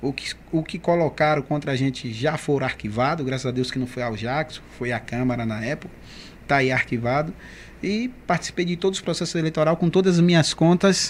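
A man with a plain, everyday voice, pitched fairly high, talks at a moderate pace with ordinary pitch variation. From Camaçari, Bahia, Brazil. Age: 40s. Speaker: former city councillor. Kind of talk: casual interview. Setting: studio.

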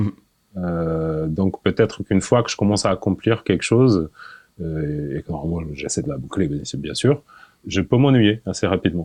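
A man's very deep, low voice with a dark, mellow tone and a dry, close sound with no echo. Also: lively intonation, moderate pace. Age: 40s. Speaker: agency founder, former director and actor. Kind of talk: casual interview.

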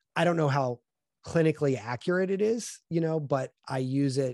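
A man with a fairly high pitch speaks at a moderate pace with lively intonation, an unremarkable speaking voice. The sound is dry and close, without echo. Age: 40s. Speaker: entrepreneur and amateur astrophotographer. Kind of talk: casual chat. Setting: podcast mic setup.

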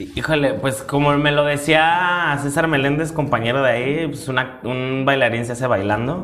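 Over music in the background and audible room echo, a man of medium pitch talks at a fairly slow pace with ordinary pitch variation. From Mexico, La Laguna region. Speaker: clown, actor and stand-up comedian. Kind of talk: casual chat.

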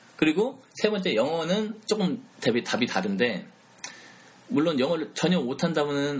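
Over noticeable background noise, a man with a fairly high voice talks at a moderate pace, his pitch swinging very widely. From South Korea. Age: 30s. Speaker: English book author. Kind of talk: casual chat.

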